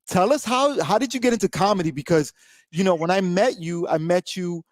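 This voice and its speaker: A male host with a slightly high voice and a dry, close sound. He chats in a relaxed way, with fillers, as he asks his guest questions. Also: fairly quick, no room sound. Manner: relaxed, chatty interviewer with fillers. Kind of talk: casual interview.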